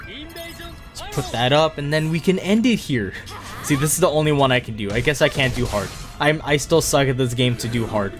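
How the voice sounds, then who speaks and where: A man's voice: on the high side, sing-song, normal speed. Rambling man narrating his own gameplay. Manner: rambling, self-mocking, laughs often. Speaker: gaming YouTuber. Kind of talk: casual gameplay commentary. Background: faint game music.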